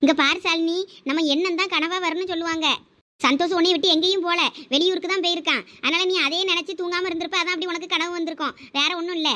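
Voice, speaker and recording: A woman's voice: very high-pitched, fairly even intonation, quick pace, pushed and bright. Woman doing a kindly fretful mother-in-law with a Thoothukudi accent. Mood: soothing. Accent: Thoothukudi Tamil. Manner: soothing, coaxing, motherly.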